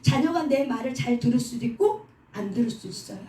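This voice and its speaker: A woman's voice: a little high, animated, brisk, dark tone. A middle-aged woman preaching a sermon at a prayer house. She keeps asking the congregation rhetorical questions and has them repeat lines after her. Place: prayer hall indoors. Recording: echoey hall, voice from far off, faint background noise.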